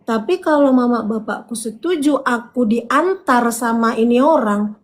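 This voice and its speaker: A woman's voice: a little high, measured pace, a little hiss or hum. A woman, giving a casual spoken testimony as a podcast guest and acting out quoted dialogue as she tells her story.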